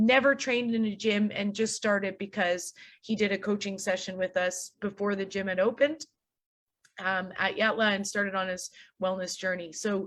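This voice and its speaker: In a Canadian accent, a woman with a plain, everyday voice talks at a moderate pace with medium pitch and fairly even intonation, on a very clean recording with a silent background. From Canada. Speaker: wellness coach. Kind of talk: workplace presentation.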